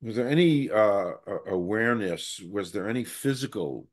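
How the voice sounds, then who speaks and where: An older man hosting an interview asks a question haltingly on a video call, searching for words. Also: on the low side, animated. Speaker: host.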